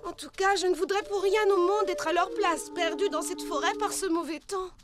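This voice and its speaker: Precise young cartoon detective girl, very high voice, articulate, fretful, music behind. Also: normal speed. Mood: clever, matter-of-fact. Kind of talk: French cartoon dubbing.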